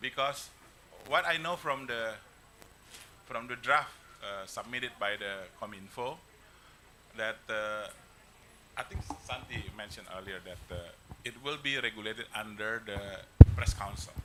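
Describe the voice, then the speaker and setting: A man with an Indonesian accent, ordinary pitch variation and long, frequent pauses. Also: medium pitch for a man, fairly slow pace. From Indonesia, Medan (North Sumatra). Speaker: audience member asking questions. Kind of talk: seminar Q&A question. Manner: halting. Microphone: speaking without a working microphone.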